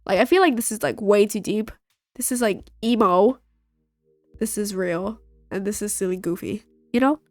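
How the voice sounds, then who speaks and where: Stuffed up from a cold, this young gaming video host reads a dating game aloud with a playful touch, doing all the characters in her own voice as she plays. Her pitch is medium and her speed normal, with no room sound and faint game music in the background.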